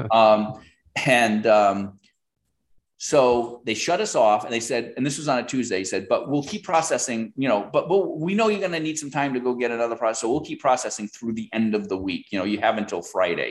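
A man with an American accent has an unremarkable speaking voice at a medium pitch, using lively intonation and a fairly quick pace. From US Northeast, northern Rhode Island. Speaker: business owner. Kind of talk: interview.

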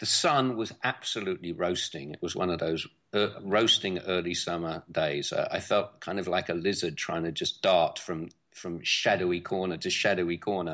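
A man speaks at a moderate pace with an English accent. The background is quiet. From England. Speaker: sailor. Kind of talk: interview.

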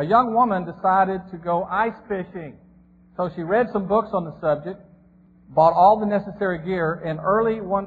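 An unforced reading voice is heard. Its pitch varies in an ordinary way.

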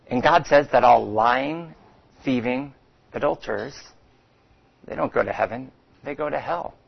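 The pace is moderate. The pitch variation is ordinary. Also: man. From Arizona, US Southwest (Tucson). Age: 40s. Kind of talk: testimony talk to men's luncheon. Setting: luncheon talk to a room of men.

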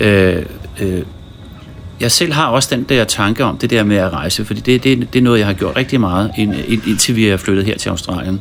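Over noticeable background noise, a man with a fairly low pitch speaks at a moderate pace. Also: ordinary pitch variation. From Denmark. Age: 50s. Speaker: podcast co-host. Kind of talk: casual chat. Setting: outdoor terrace.

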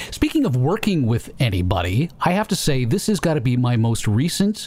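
A somewhat breathy man at medium pitch moves through very wide pitch swings at a moderate pace. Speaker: podcast host. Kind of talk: casual banter interview. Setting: studio, live recording. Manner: animated, jokey.

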